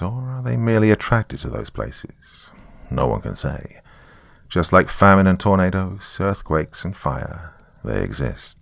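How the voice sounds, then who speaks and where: A man's voice: extremely low pitch, creaky, a bit bright, no echo, clean studio sound, heavily acted. A man voicing a solemn Native American elder who gives a grave, portentous warning in a horror story. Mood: ominous. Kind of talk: dramatic reading in a horror story.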